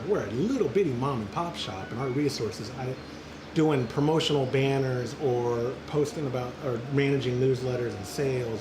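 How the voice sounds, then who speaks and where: A man from Central Texas, hosting a homebrew live stream in a chatty, joking, rambling way while he brews. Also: mid-range voice. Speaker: homebrew show host. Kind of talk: casual live-stream chat while brewing. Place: brewing area with flies around. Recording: echoey with loud background noise.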